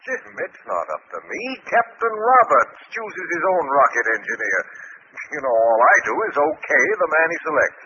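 An actor playing a brisk, authoritative space flight commander and father in 1950s radio drama style. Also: medium pitch, big pitch swings, sharp tone. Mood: firm. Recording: noisy, dull 1950s radio recording.

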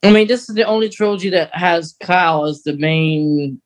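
A man's voice: fairly high pitch, normal speed. A man hosting a podcast, chatting casually and explaining things in a hesitant, conversational way. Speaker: podcast host. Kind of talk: casual chat discussing a story.

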